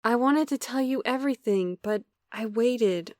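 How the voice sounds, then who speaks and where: A woman's voice: fairly high pitch, a little slow, a little mellow, no echo, clean studio sound, close to an everyday voice. An actress playing a devoted, remorseful woman in an audio drama, speaking earnestly and somewhat formally. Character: remorseful, devoted young woman pleading for forgiveness.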